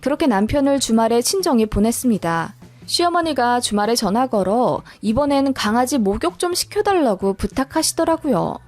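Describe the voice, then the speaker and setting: A young woman telling a first-person story in a calm, wry, matter-of-fact way, as a radio drama narration. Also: fairly high pitch, moderate pace, faint music behind.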